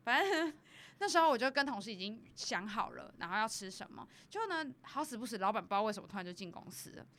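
A young woman co-hosting a casual chat, telling an animated story and acting out the people in it. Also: a little high, fast. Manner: animated storyteller, acts out her boss. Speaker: podcast co-host.

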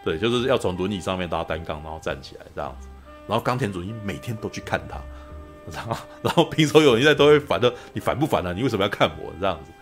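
Faint music plays behind this male podcaster as he talks through a film review. He speaks quickly in a fairly low voice with lively intonation, wandering from point to point, laughing a lot and ending sentence after sentence with "you know."

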